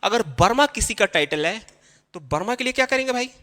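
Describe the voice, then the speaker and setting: High, lively male teacher in an echoey room. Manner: explains slowly and repeats himself, addressing children. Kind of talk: classroom-style spelling lesson.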